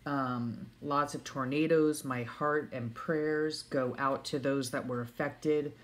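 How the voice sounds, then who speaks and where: Slow, low-pitched woman with a congested voice. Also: fairly even intonation, a little hiss or hum. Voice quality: congested, sniffly. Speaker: vlogger showing stationery. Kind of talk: casual rambling chat. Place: at home.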